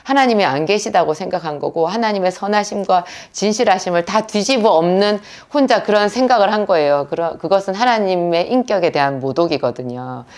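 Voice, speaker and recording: A woman's voice: mid-range voice, lively intonation, a little fast, few pauses, a little mellow. A middle-aged woman, a pharmacist who teaches prayer, telling her own story in a sermon-style talk and acting out the prayers she quotes.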